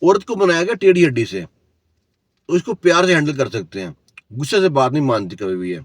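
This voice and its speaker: A man's voice: fairly high pitch, lively intonation, no echo. Preachy man telling a moral tale. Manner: preachy, lecturing the listener with rhetorical questions. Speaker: storyteller. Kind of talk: moralizing storytelling.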